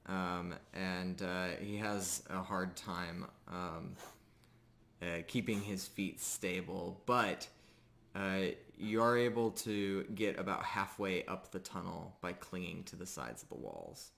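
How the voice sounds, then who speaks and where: A man working as game master, narrating a tabletop roleplaying game in a halting, measured way. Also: low voice, vocal fry, a bit bright, slight background noise.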